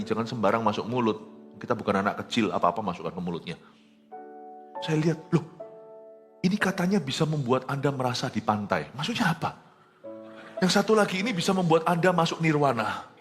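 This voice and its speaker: Animated male preacher. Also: a little high. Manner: animated preaching with jokes and acted quotes, mixing in English phrases. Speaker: pastor. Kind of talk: sermon.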